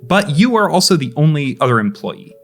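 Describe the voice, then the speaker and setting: A man's voice: on the high side, big pitch swings, fairly quick, soft background music. A young man narrating as game master, casual, with restarts and lots of questions to the players. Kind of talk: narrating a tabletop role-play game.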